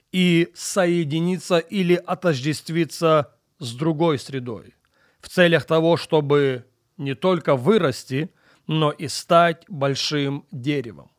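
A man preaching on the radio in a deliberate, emphatic way, repeating key phrases and letting sentence endings drop quieter. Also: fairly high pitch, dry recording, clean studio sound. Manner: emphatic and deliberate, with repetition and rhetorical questions. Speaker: radio preacher and programme host. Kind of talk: radio sermon, Bible teaching.

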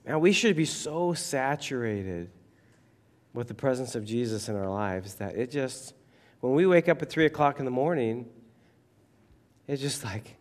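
Hoarse man preaching in a reverberant hall. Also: medium pitch, lively intonation, unhurried, long pauses. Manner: rambling, conversational, many fillers. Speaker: pastor. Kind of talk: casual sermon.

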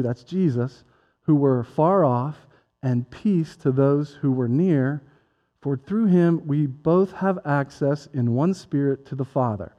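A male pastor delivers a casual, conversational sermon, tossing joking asides to people in the pews. His voice is warm and mellow, and the recording sounds a little dull and lo-fi. A long hall reverb trails behind every line. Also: medium pitch.

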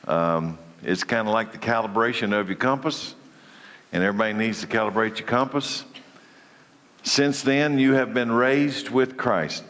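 A man's voice: medium pitch, moderate pace, fairly bright tone, long reverb tail. Congested man teaching a church class. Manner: conversational preaching with repeated restarts. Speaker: Bible study teacher.

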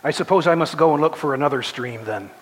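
A man's voice: a little high, fast, close to an everyday voice. A man voicing a frightened, thirsty young girl who begs timidly, read aloud during a church sermon. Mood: timid pleading. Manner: timid, pleading. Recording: reverberant church hall, faint ambience.

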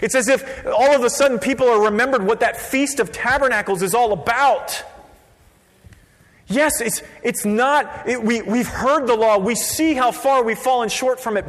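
A man preaching a sermon as pastor, conversational and lively, dropping to a quiet voice for emphasis. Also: very high-pitched, normal speed. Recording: long reverb of a large hall.

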